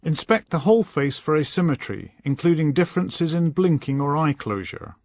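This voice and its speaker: A man with a slightly high voice narrates a scripted lesson. He gives instructions in a measured way, recorded close and dry with no room sound. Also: sing-song, no room sound.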